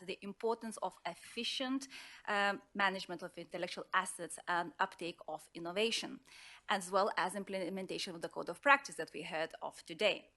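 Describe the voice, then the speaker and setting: A woman's voice: lowish voice, fairly bright tone. A woman moderating a panel discussion, addressing the audience directly in an organised way.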